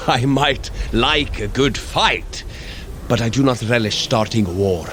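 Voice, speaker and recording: An actor playing an earnest, blunt male warrior god in an audio drama, measured and solemn. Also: mid-range voice, lively intonation, fairly bright tone, a little hiss or hum. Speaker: Thor.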